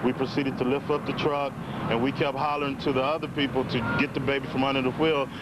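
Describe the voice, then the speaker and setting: An American man giving a halting, plain-spoken eyewitness account in a television news interview outdoors. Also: mid-range voice, little pitch movement, heavy background noise.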